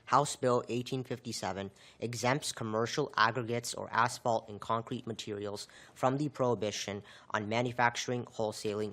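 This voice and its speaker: Low-voiced man reading a bill summary. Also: fairly bright tone. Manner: measured, formal. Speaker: committee intern.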